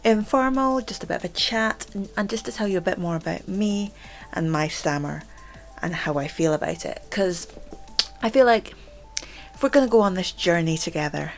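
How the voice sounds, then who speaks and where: A young woman with a low voice talks casually to the camera about herself. Her speech catches and repeats as she stammers, with many fillers. Soft music plays faintly behind her. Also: lively intonation, moderate pace. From Scotland. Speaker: channel host. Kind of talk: casual vlog chat.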